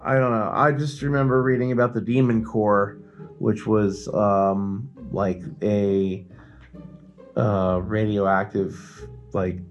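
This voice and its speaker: A man's voice: fairly low pitch, fairly even intonation, takes it slowly, dull audio, faint music behind. A man co-hosting a podcast, chatting casually in a rambling, explanatory way and swearing now and then. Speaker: podcast co-host. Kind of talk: casual chat.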